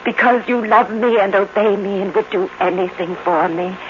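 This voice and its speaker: An actress playing a possessive, unstable housewife with an intense, deliberate, commanding delivery in a 1950s radio drama. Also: female voice, medium pitch, little pitch movement, close to an everyday voice. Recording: dull noisy old radio recording.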